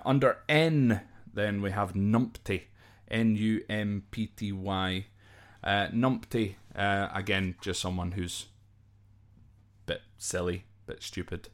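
A Scottish man informally explaining slang from a list, off the cuff and hesitantly, sometimes spelling words out. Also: fairly low pitch. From Scotland. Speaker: podcast host.

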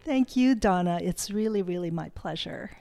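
Soft-spoken reflective woman guest. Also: fairly low pitch, moderate pace, gravelly, soft background music. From Hawaii. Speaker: interview guest, love and sexuality coach. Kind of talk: podcast interview.

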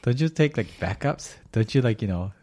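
A man with a slightly raspy voice hosting a podcast as a casual, slangy, sweary chat. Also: fairly low pitch, lively intonation, brisk, darkish tone. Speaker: podcast host. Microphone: podcast microphone.

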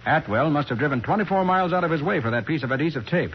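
An actor playing a confident, methodical private detective in a 1940s radio drama. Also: male voice, fairly high pitch, animated, slight background noise, natural voice. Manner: quick, methodical reasoning. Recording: tinny, dull 1940s radio recording.

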